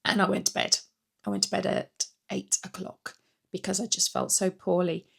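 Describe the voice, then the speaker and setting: A middle-aged woman talks through a casual vlog update, her voice croaky from a cold. She rambles a little and restarts often. Her tone is gravelly, and her pitch sits in the middle. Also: little pitch movement, normal speed, fairly bright tone. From Britain. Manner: rambling, chatty, frequent ums and restarts. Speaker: weight-loss vlogger.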